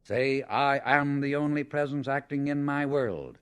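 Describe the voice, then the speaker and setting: A man narrating a scripted spiritual audiobook in a measured, emphatic, instructional manner. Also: mid-range voice, smooth.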